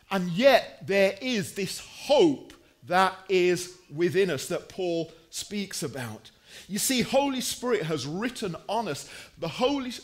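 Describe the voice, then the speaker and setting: Slow, high-voiced male preacher. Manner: deliberate and emphatic, with pauses and rhetorical questions. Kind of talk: sermon.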